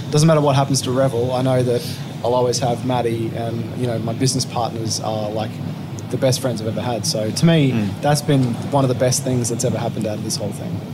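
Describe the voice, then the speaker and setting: Very fast speech with an Australian accent, fairly even intonation, and noticeable background noise. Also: man. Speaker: brewery founder and owner. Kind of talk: casual chat.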